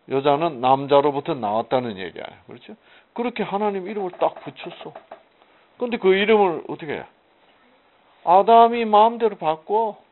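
A man teaching a casual Bible study, asking rhetorical questions and answering them himself with emphasis. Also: sits high. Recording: muffled phone-like audio.

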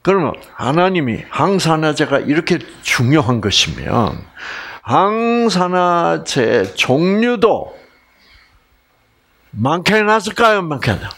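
Slow, lively-voiced Korean preacher man. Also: on the high side. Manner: quizzes the audience with questions and plays with dialect words. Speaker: preacher giving a health lecture. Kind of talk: sermon-style lecture to a congregation.

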